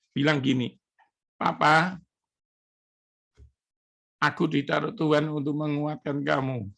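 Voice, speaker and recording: A middle-aged Indonesian pastor preaches an emotional testimony sermon, calling his congregation brothers and sisters. His voice is on the high side, gravelly and fairly bright.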